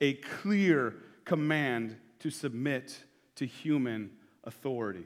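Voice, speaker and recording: Speaking very slowly, a man is heard against a silent background in a very clean recording. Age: 40s. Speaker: pastor. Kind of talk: sermon. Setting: church.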